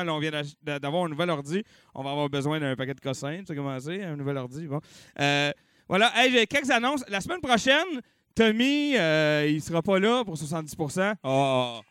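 A young auctioneer and comedy show host with a Québécois French accent belts out bids and jokey asides at a comedy-night auction, full of bouncy energy. His high-pitched voice has a clean tone, with no room sound.

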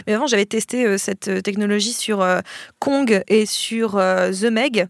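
A woman's voice: mid-range voice, moderate pace, vocal fry, no room sound, clean studio sound. Hesitant woman chatting on a podcast. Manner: hesitant, many fillers and restarts. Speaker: film podcast panelist. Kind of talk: casual chat.

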